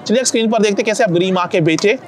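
A middle-aged man talks fast and eagerly to camera, full of advice, his voice sitting fairly high. He is outdoors on a lapel mic, with faint city noise and traffic behind him. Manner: fast, energetic, chatty with slips. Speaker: vlogger, career advisor.

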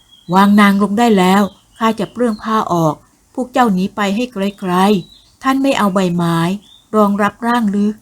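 A woman voicing a lecherous, brutal male soldier, speaking in a slow gloating drawl. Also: medium pitch, close to an everyday voice. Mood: gloating menace.

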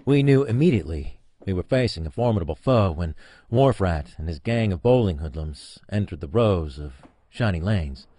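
A man plays a self-important spaceship captain in a parody radio sketch. His low voice swings widely, landing on words with melodramatic pauses as he nurses his envy. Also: lively intonation, dark tone, no echo, clean studio sound. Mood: grandiose. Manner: melodramatic, halting dramatic emphasis. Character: pompous, envious male starship captain turned bowler, parody. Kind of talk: comic audio drama acting with log narration.

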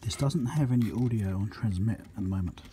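A man speaks in a fairly low voice over clear background noise. He gives an unscripted, matter-of-fact commentary in short fragments, as a repairer thinking aloud at his bench. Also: a little fast, mellow. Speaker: electronics repairer presenting a repair video. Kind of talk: casual unscripted workbench commentary. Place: indoor electronics workbench. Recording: noisy hand-held workshop recording.

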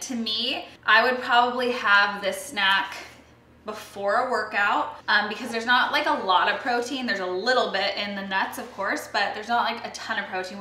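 A woman's voice: on the high side, pushed and bright. An American woman in her thirties chatting casually to camera as she hosts a cooking demonstration, in an informal conversational way. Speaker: fitness vlogger and recipe host. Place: home kitchen, indoors. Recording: roomy kitchen echo, faint background noise.

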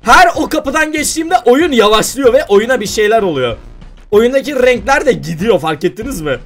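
High, lively young man playing a game. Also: fairly quick, faint music behind. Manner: playful, animated, exclaims and laughs often. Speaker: gaming YouTuber. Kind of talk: excited let's-play commentary.

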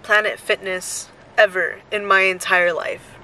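A woman's voice: medium pitch, steady tone, unhurried, sharp tone, a little hiss or hum, rough recording. A woman in her twenties chatting casually and swearily to a camera held at arm's length in a car. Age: 20s. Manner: informal, sweary. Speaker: vlogger. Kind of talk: casual vlog chat to camera. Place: inside a car. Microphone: handheld camera at arm's length. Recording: music bed over in-car camera audio. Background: music, car sounds.

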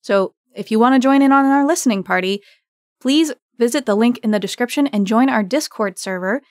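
A woman's voice: on the high side, brisk, darkish tone, dry recording, clean studio sound. A woman hosting an interview podcast in an effusive, conversational way. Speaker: podcast host.

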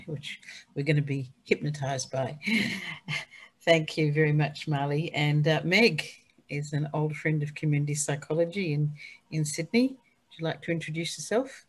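An older woman hosting an online webinar, introducing the speakers in a brisk, friendly way with jokey asides. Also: deep voice, breathy edge. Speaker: host and moderator. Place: home room on a video call. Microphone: video call.

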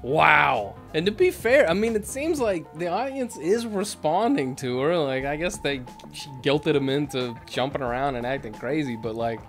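A man's voice: on the high side, normal speed, few pauses, faint music behind. A man in his thirties giving casual, sarcastic reaction commentary into a desk microphone at home. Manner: sarcastic, animated. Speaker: YouTube commentator. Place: small home streaming room, indoors. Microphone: desk microphone on a boom arm.

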